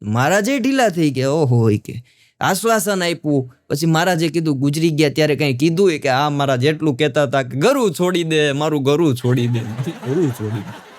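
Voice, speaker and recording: A man's voice: fairly high pitch, lively intonation, fairly quick. A man with a Gujarati accent doing stand-up comedy for a live audience, telling jokes in a folksy storytelling manner and voicing the characters. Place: stage before a live audience.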